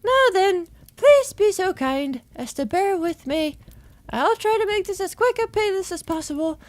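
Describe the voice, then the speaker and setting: A woman voicing a courteous, gentle lady healer in a fantasy game, speaking in a polite, formal, measured way. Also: extremely high pitch, expressive, dry recording. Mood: gracious.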